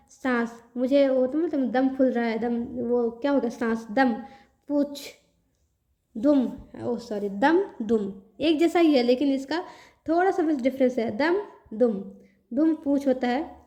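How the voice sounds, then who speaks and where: A woman's voice: high voice, unhurried, dark tone. A woman teaching an online grammar lesson, reading word lists aloud and explaining them in a chatty way with English words mixed in.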